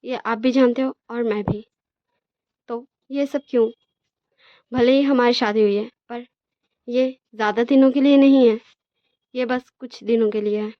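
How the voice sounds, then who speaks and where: Woman voicing a gentle young omega husband. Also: fairly high pitch, fairly even intonation, measured pace, pauses often, no room sound, lo-fi sound, lightly acted. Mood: soft calm.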